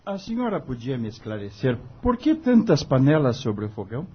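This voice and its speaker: An actor playing an earnest, polite young lawyer of humble manner in an audio drama. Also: male voice, mid-range voice, very animated, normal speed, dull audio, music in the background, close to an everyday voice. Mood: respectful curiosity. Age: young adult.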